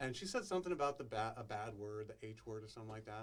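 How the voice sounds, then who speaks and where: Talking at a very fast pace, a man uses lively intonation and sounds somewhat breathy. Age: 30s. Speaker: podcast guest, author and business owner. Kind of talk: casual chat.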